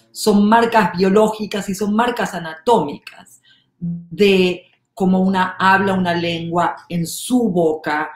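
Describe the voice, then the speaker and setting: A woman giving an academic lecture at a graduate seminar, measured and deliberate, stressing her points in lists. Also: on the low side. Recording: roomy echo.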